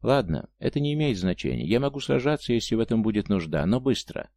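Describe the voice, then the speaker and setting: A man voicing a weary but resolute young woman who speaks weakly and in hushed tones, as an audiobook character. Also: fairly low pitch, big pitch swings, fast, vocal fry, dry recording. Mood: weary resolve. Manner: weak, hushed speech.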